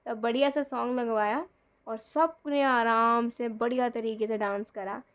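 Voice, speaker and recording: A woman tarot reader telling a reading as a casual story, chatty and animated, acting out the quoted lines. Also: fairly high pitch, a little slow.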